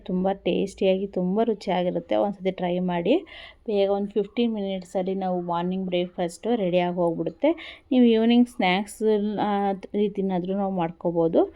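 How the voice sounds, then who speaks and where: A woman's voice: on the low side, fairly even intonation, fast, dull audio. A woman with a Kannada accent, talking viewers through a recipe at an easy pace in a casual cooking vlog, repeating simple instructions. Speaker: cooking vlogger.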